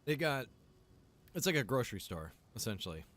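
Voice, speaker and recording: A man hosting a livestream, chatting casually to viewers in a rambling, halting way with informal asides. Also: medium pitch, sing-song, fairly bright tone. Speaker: livestream host. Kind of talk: casual chat to stream viewers.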